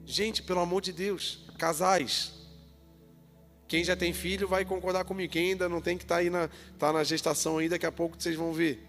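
A man preaching a sermon, telling the story in lively, slangy style and acting out the dialogue. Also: high-pitched, fairly quick. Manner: lively storytelling with colloquial jokes and acted-out dialogue. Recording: hall reverb with faint music.

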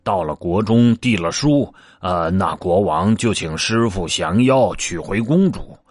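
A man telling a classic novel aloud as a storyteller, measured, with frequent hesitant fillers. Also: low-pitched, expressive, no room sound, studio quality.

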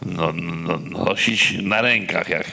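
A man giving halting spontaneous remarks at a public discussion, with a pronounced stammer that repeats syllables. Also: low voice, vocal fry, bright, forceful tone. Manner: halting, hesitant. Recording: reverberant hall.

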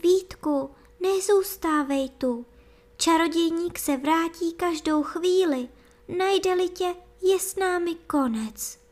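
A woman voicing a pale, sorrowful young princess, speaking high, soft and pleading in a storybook reading. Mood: urgent whisper.

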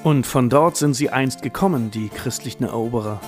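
A man's voice: medium pitch, fairly quick. A man reading scripted narration for an audio walk. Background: faint guitar music.

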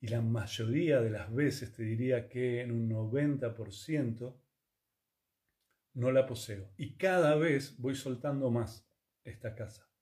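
A man, teaching yoga and conscious communication in a calm, reflective talk full of rhetorical questions. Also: mid-range voice, a little slow. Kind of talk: reflective spiritual talk to listeners.

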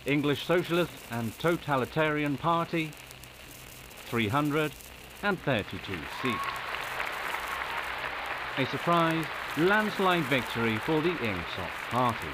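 A man's voice: a little high, animated, slow, pauses often. An actor playing a formal, declamatory male election-night news announcer in a comedy audio drama. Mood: formal, excited. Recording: noisy crowd behind the announcer.

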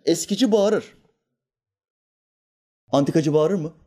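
A man preaching, his voice warm and mellow. He speaks calmly and deliberately, pausing to act out the people in his stories. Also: on the high side. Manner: calm and measured, voices characters in anecdotes. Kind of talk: sermon with storytelling.

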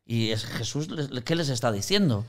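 With a medium-pitched voice at a moderate pace, this man teaches conversationally about Christian mission. He's an animated storyteller who shares anecdotes and performs the quoted voices.

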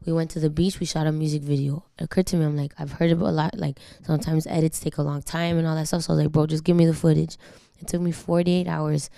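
A young woman from Canada, Spanish her first language, tells her story as an interview guest with loose slang and frank swearing. Her voice sits low and mellow, with a gravelly fry and an even, flat delivery. The sound is close and dry. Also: fast, dry recording. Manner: candid, slangy and swearing freely. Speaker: guest singer. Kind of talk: casual interview talk.

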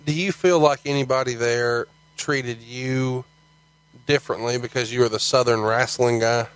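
A man's voice: medium pitch, steady tone, moderate pace, clean tone, no echo, rough recording. Male podcast host, mid-range voice, conversational interviewer who presses for details. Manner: probing, leads with follow-up questions.

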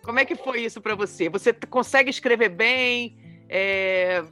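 A woman's voice: on the high side, normal speed, bright, forceful tone, soft background music. A woman hosting an interview podcast, encouraging her guest and talking with frequent fillers. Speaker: podcast host.

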